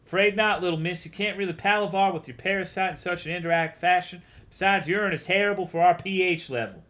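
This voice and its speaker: A man's voice: high-pitched, a bit bright, voice pushed up. A man playing a drawling tentacled plant monster. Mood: leering. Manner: slow, drawling put-on cowboy talk, grandly menacing. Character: ancient tentacled plant monster, male, soul collector, folksy drawl.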